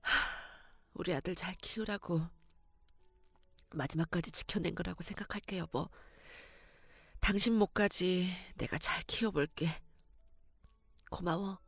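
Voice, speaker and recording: A woman's voice: unhurried, pauses often, dry recording. A woman voicing a grieving young widowed mother who wails and sobs through her words, recorded close and dry. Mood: quiet sorrow. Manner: wailing, shrill, crying through the words.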